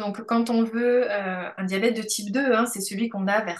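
A woman with an ordinary speaking voice, fairly high pitch, fairly even intonation and a moderate pace. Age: 30s. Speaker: dietitian. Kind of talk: casual chat.

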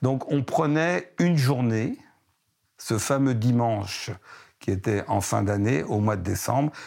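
On a very clean recording with a silent background, a man with a dark, mellow tone and medium pitch speaks at a very slow pace. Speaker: interviewee recounting memories. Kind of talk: personal reminiscence interview. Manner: hesitant, with frequent fillers and repetitions.

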